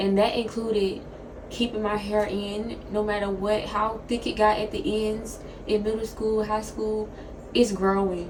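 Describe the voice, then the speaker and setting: A quiet woman's voice, fairly high in pitch, monotone and flat, at a fairly slow pace, with audible room echo and noticeable background noise. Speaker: health vlogger. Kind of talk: casual monologue.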